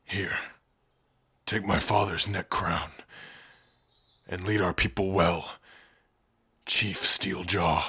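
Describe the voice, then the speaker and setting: A man voicing an honorable young male orc warrior in a fantasy audio roleplay, earnest and measured. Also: low-pitched, fairly even intonation, bright, forceful tone, slightly rough, heavily acted. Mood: soft, grateful.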